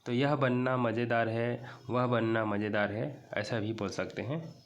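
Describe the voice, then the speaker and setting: A man's voice: medium pitch, fairly even intonation, dull audio. A man teaching a school English lesson, explaining a poem line by line and stretching out the English words as he reads them. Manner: slow and patient, reads English lines very slowly, ends points with a rising "theek hai".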